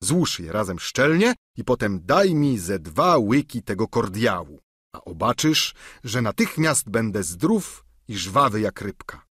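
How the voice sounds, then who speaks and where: A man's voice: fairly low pitch, big pitch swings, a little slow, a bit bright, slightly rough, no echo, studio quality, full character voice. Don Quixote, a man voicing a pompous aging knight. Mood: boastful. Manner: pompous, declamatory. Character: aging deluded knight, grandiose and solemn. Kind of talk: audiobook character reading.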